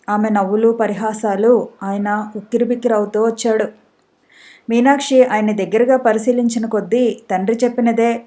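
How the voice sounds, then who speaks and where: A woman's voice: mid-range voice, mellow. A woman narrating a storybook and reading the characters' dialogue with some expression. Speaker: audiobook narrator.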